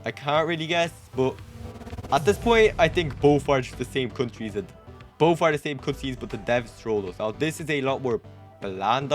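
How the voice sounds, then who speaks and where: A young adult man giving casual gameplay commentary to camera as the host of a gaming video. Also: medium pitch. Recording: music behind the voice.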